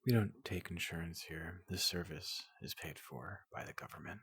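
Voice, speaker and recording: A man playing a big, gentle robot doctor in a soothing ASMR roleplay, speaking in a hushed, breathy half-whisper with a polite, reassuring manner. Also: low-pitched, dry recording, heavily acted. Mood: soothing, welcoming. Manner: slow, gentle, reassuring, repeats questions softly.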